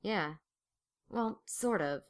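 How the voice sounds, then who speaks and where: A woman's voice: medium pitch, expressive, extremely slow. A woman playing a blunt, exasperated female student who narrates and acts in an audio drama, with a dry sardonic manner. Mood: weary, irritated. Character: exasperated, sarcastic female student, narrator of her own story.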